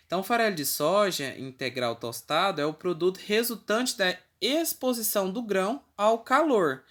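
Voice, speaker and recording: A teacher with a Brazilian Portuguese accent and a medium-pitched, fairly bright voice delivers a recorded online class lecture. She explains step by step, adding frequent checking tags and the odd self-correction.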